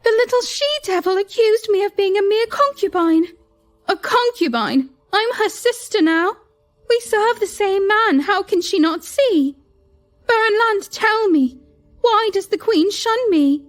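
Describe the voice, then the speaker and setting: A woman's voice: very high voice, animated, measured pace. A woman voicing a naive, tearful young royal concubine who speaks with childlike, pleading innocence. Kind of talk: audio drama acting.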